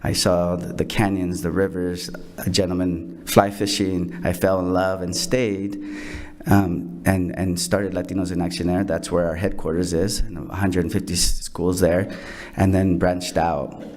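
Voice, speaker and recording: A man's voice: low voice, flat delivery, measured pace, a little mellow. A middle-aged man, originally from El Salvador, giving earnest prepared thanks to a school board and repeating phrases for emphasis. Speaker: program founder presenting to a school board. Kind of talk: prepared remarks at a public meeting.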